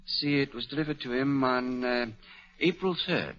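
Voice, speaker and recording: An actor playing an obliging, deferential jewellery merchant in an old-time radio drama, formal and helpful. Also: male voice, medium pitch, moderate pace, fairly bright tone, lightly acted. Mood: helpful, certain. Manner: formal, helpful, hesitating over details. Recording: dull old radio recording.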